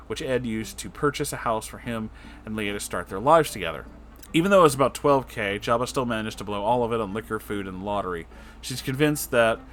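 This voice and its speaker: A man reading a story aloud as an online narrator, expressive and casual, with dramatic delivery. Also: lowish voice, a little hiss or hum. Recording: music behind the voice. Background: background music.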